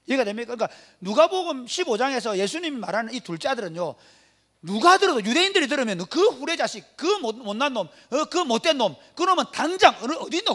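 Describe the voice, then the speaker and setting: A man's voice: high-pitched, a bit bright. A male pastor preaching a sermon, blunt and emphatic, often asking the congregation rhetorical questions. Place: church.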